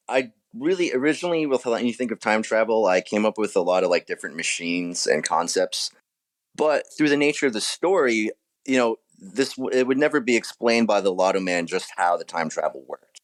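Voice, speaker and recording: A man's voice: deep voice, a bit bright. A man speaking as an author guest in a casual interview, explaining his ideas and often rephrasing mid-thought.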